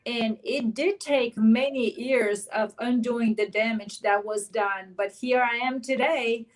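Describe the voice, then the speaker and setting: A woman's voice: on the high side, fairly even intonation, measured pace, rough recording. A middle-aged woman from Bulgaria, a guest author and life coach, who tells her personal story with energy and earnestness.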